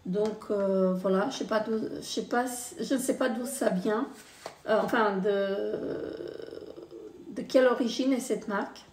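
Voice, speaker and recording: A woman's voice: medium pitch, a little slow, darkish tone, recorded from a distance. A woman casually unboxing beauty products, often hesitating and reading the product descriptions aloud. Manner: hesitant, many fillers, reads product blurbs aloud. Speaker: beauty box unboxing vlogger. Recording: roomy, a bit off-mic.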